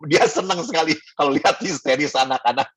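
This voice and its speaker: A middle-aged man, a Catholic priest, giving a casual spiritual talk to a youth group and telling stories with animated, acted-out voices. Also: on the high side, fast, husky. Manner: animated storyteller who acts out voices.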